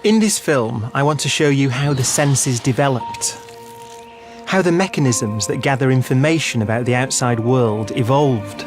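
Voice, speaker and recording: Man presenting a nature documentary over music. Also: mid-range voice. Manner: measured, marvelling. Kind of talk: nature documentary narration, wonder-filled and explanatory. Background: prominent background music.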